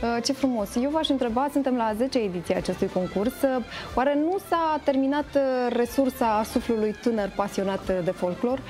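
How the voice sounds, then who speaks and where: A woman's voice: a little high, lively intonation, few pauses, darkish tone. A young woman interviewing a guest conversationally in a TV studio. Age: young adult, around 30. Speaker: TV interviewer, host. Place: indoor TV studio. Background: music playing.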